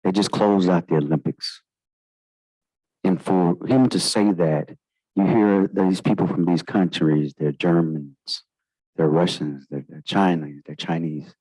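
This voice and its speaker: Panelist, male, low voice, Southern African American accent, emphatic and repetitive, close dry sound. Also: fairly even intonation, a little slow, mellow, slightly rough, dry recording, low-quality recording. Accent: African American English, Southern US. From United States. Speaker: lawyer, panelist. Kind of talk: informal panel remarks to an audience.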